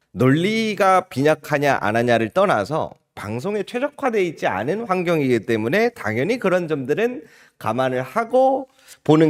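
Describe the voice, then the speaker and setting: In a very clean recording with a silent background and a dry, close sound with no echo, a man speaks fairly slowly at a fairly high pitch with very wide pitch swings. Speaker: news commentary youtuber. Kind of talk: solo commentary.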